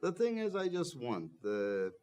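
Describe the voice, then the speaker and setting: His voice is fairly high yet dark and smooth, swooping wildly in pitch at an unhurried pace. A young adult from Guyana and political party coordinator, he answers a TV interview earnestly, often saying "you know," and grows passionate.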